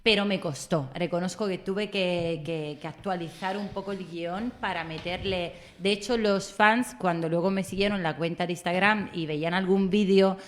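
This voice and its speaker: A woman from Italy, native Italian speaker, talking with an Andalusian Spanish accent from Cádiz as an interview guest, lively and quick to laugh as she tells stories. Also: on the low side. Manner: lively storyteller, laughs often, quick fillers. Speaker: guest actress. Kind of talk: casual interview chat.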